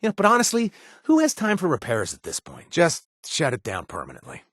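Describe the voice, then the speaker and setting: Game companion, male, young adult, wisecracking mercenary, animated delivery, dry studio read. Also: a little high, a little fast, no room sound, exaggerated voice. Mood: casual. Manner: casual, joking, with filler "uh"s. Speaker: quest-giving companion. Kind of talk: video game voice acting. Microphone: dry studio recording.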